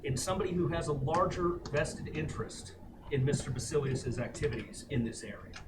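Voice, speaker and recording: A man player in a live tabletop role-play, reasoning in character in a calm, deliberate way. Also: on the high side, far from the mic, heavy background noise.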